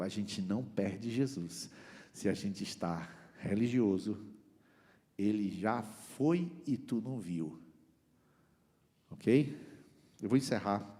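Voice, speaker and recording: A man preaching a church sermon. He swings from loud, high exclamations to quiet, low asides and keeps asking the congregation questions. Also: big-room sound. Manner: talks straight to the congregation with rhetorical questions. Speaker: pastor.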